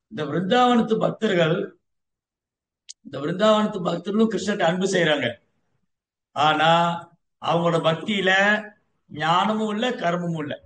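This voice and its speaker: A man's voice: high voice, roomy sound, slight background noise. A man teaching as a Vaishnava lecturer in a storytelling way, slipping English words into his talk. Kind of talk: devotional lecture.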